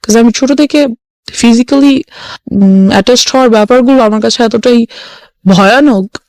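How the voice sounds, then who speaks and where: A woman's voice: fairly high pitch, normal speed, darkish tone, no room sound. A young woman calling in to a radio show, telling her personal story in a hesitant way and slipping English phrases into her speech. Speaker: caller sharing her life story.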